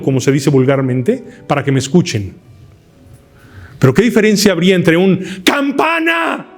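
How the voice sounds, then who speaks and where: Mexican guy running a speaking workshop, kinda high voice, keeps quizzing the room, bit of music faint behind. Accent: Mexican Spanish. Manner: lively, asks the class questions, shouts demonstrations. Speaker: oratory workshop instructor. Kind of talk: live workshop lecture to a room. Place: lecture hall with fabric ceiling.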